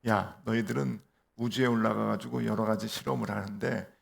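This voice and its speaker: 목사가 흉내 내는 우쭐대는 미국 우주인 남자. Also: male voice, lowish voice, steady tone, a little fast, creaky. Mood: smug. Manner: mocking, condescending questions. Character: boastful male American astronaut, smug and condescending.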